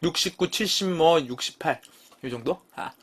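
A man's voice: fairly high pitch, normal speed, slight background noise. A man in his thirties hosting a live eating stream, chatting casually with viewers and swearing freely as he bickers with them. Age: 30s. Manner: lively, jumps between mumbling and loud outbursts.

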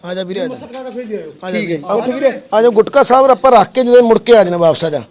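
A man volunteering with a social service group, talking gently and coaxing, with soothing phrases he says again and again. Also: sits high, expressive, quick pace. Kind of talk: on-location coaxing talk.

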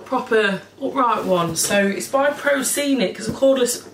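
A chatty cleaning vlogger with a froggy, slightly hoarse throat rambles casually to the camera in her home kitchen, swearing casually and laughing often. Her voice is fairly high with lively intonation, a little slow. The camera sits at table height in front of her, and the kitchen is echoey with background noise.

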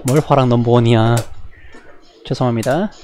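A man giving live commentary while he plays a fighting game, with rapid, self-mocking banter and sudden exclamations. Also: mid-range voice, steady tone, darkish tone, a little hiss or hum. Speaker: game streamer.

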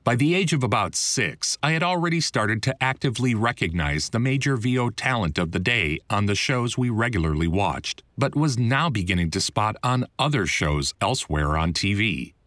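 A man's voice: fairly low pitch, expressive, normal speed, few pauses, a bit bright, dry recording, studio quality. A middle-aged American man reading his own audiobook in a wry, conversational, emphatic manner. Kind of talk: scripted first-person audiobook narration. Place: close, dry studio recording.

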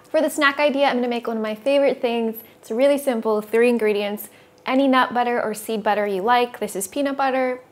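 A woman in her thirties, a cooking channel host, giving upbeat, clear step-by-step recipe instructions, partly as voice-over in a home kitchen. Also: fairly high pitch.

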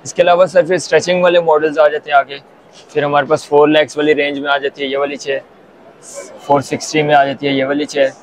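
A young man speaks at an indoor expo stall, pitching his products politely and addressing the customer as sir. He talks quickly, and his voice sits a little high. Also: level tone, a little hiss or hum, rough recording. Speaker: salesman at a massage chair stall.

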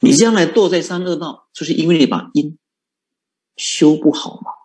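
A man's voice: a little high, normal speed, darkish tone. A man, a Buddhist monk, giving a dharma talk in Mandarin with a Fujian tinge, asking rhetorical questions and chuckling at his own points. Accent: Fujian-influenced Mandarin.

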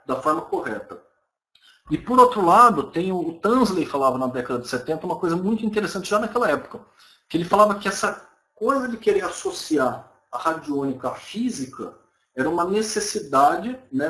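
A man's voice: on the high side, fairly bright tone. Man lecturing by webcam in echoey room. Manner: conversational, frequent tag questions, hedged personal opinion. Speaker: online lecturer. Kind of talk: live webcam lecture answering viewer questions. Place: small room indoors. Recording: roomy webcam audio.

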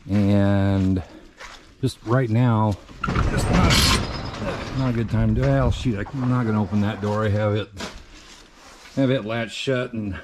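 Taking it slowly and pausing often, a man with a lowish voice speaks over background noise. He's a middle-aged vlogger from central Iowa who owns a farm shop, giving a casual, rambling, plain update while touring his winter farmyard, and also inside a shop, with an action camera.

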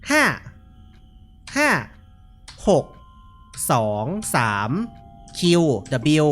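A man's voice: a little high, wildly swooping pitch, extremely slow, a bit bright, faint music behind. A man giving casual, jokey commentary while playing a horror game. He chats freely, reads out what he finds and laughs often. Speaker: gaming streamer.

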